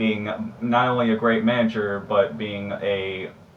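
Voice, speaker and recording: Though his pace is very slow, a man with a fairly low pitch speaks with lively intonation. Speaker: cartoon episode reviewer. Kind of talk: casual video review. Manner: halting, many fillers and restarts.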